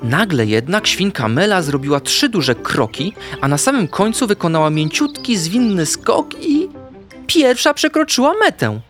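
Lively man reading a kids' story. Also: high voice, normal speed. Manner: expressive, playful storyteller. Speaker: narrator. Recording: faint background music.

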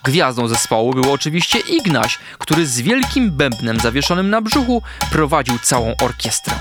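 A man narrating a children's storybook in an animated, expressive way. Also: mid-range voice, normal speed. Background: background music.

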